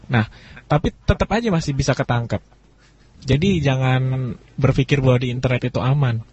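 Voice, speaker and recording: A man's voice: medium pitch, normal speed, breathy edge. A man hosting a casual talk radio show, answering listeners and repeating phrases for emphasis, on a lo-fi streaming broadcast. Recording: dull, lo-fi streaming radio with loud noise.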